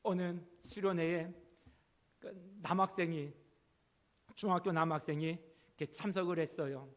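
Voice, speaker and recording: A man's voice: sits high, fairly even intonation, normal speed. A middle-aged male pastor preaching a sermon earnestly, asking rhetorical questions and rising in emphasis.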